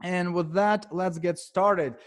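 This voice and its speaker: A man with a Ukrainian accent giving a presentation to a professional meetup as speaker and author, talking in a measured way with frequent pauses and filler sounds. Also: sits high, fairly even intonation.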